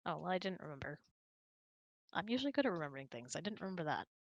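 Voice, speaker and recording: A woman's voice: on the low side, very animated, fast talker, no echo, dull audio. A woman chatting casually and candidly as host of an online hangout, often dropping "like" into her sentences. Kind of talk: casual chat with spouse.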